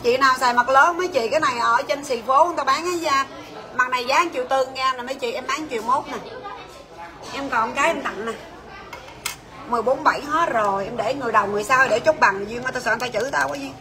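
A woman's voice: high-pitched, fast, crowd noise. A woman selling jewelry on a livestream from her shop, chatty and bossy, teasing her staff and calling out prices. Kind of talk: livestream sales pitch.

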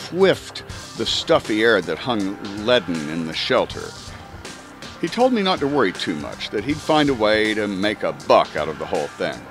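A man narrates a spy audiobook with theatrical emphasis. His fairly low voice swings widely in pitch, and faint music plays behind him. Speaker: audiobook reader. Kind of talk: dramatic first-person spy story narration.

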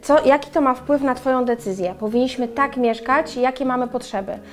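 A middle-aged woman co-hosting a casual chat, animated and speaking straight to viewers, on a lapel mic in a bright room. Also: high-pitched, a little fast. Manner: animated, gesturing, addresses viewers directly. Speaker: co-host. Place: bright room with flowers and windows.

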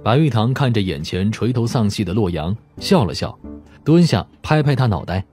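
Audiobook narrator, male, lowish voice with lively intonation, music underneath. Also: normal speed. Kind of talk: scripted dramatic novel narration.

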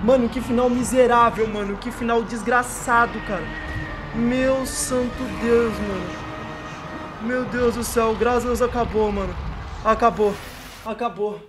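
A man's voice: very high voice, fairly even intonation, unhurried, over music. A young man streaming a horror game, panicking, repeating himself and shrieking when scared, shaky and sweating. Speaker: gamer streamer. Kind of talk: horror game let's play commentary.

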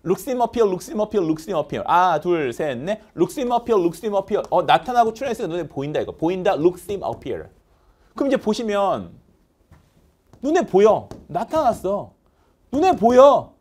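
A male English teacher lectures with a fairly high voice that leaps and drops all over the place. He chants word lists in rhythm and slips into playful skits to make the words stick. It sounds like a recorded lecture in a studio. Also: a little mellow. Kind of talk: lively lecture.

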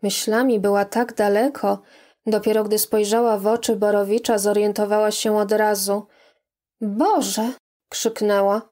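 A woman narrating an audiobook in a calm, measured reading voice. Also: medium pitch. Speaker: audiobook reader. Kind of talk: scripted narration.

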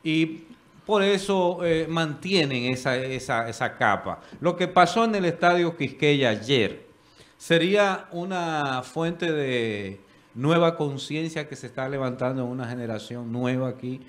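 A man, a panelist asking measured questions in a TV studio discussion. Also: on the high side. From Dominican Republic.

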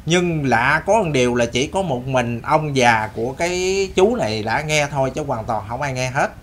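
A man's voice: mid-range voice, animated, normal speed, slight background noise. A man with a Southern Vietnamese accent telling a story to his audience in a rambling, folksy way, repeating and restarting phrases. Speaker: storyteller host. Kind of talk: casual spoken storytelling to an audience.

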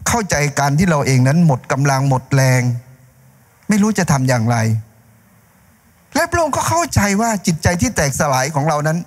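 A middle-aged man preaches from a church stage with a handheld mic, his voice unusually high and full of lively rises and falls. He talks in an animated way, gesturing as he goes. The sound carries a long reverb from the hall. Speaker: pastor. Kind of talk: sermon.

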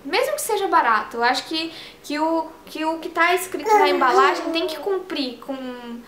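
High-voiced chatty mom vlogger. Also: female voice, expressive, normal speed, a crowd in the background. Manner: chatty, coos and sings to her baby. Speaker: vlogger mother. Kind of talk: casual vlog to camera. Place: bedroom at home.

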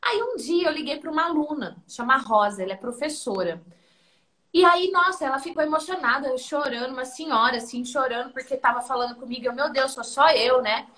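A woman from Brazil, hosting a live stream about her coaching course and telling stories in an animated way. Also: high-pitched, a little fast. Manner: animated storytelling, acts out quotes. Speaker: host and coaching instructor.

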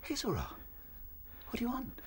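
A man playing a young rabbit, an eager but timid storyteller, with a theatrical, expressive delivery in a radio play. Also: very high-pitched, normal speed, a little hiss or hum, exaggerated voice. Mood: nervous.

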